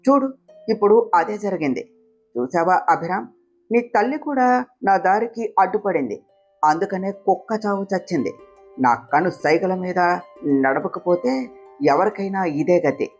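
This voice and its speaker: A woman's voice: fairly low pitch, animated, a little slow, pauses often. A woman doing a cruel, gloating male villain. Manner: gloating, menacing, laughing cruelly. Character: cruel cackling male villain, middle-aged. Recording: slightly dull recording, soft guitar music.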